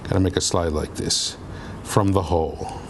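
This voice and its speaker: A man lecturing a university class in a conversational way, with a low voice, often checking in with "okay?". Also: fairly even intonation, moderate pace, background noise. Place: lecture room.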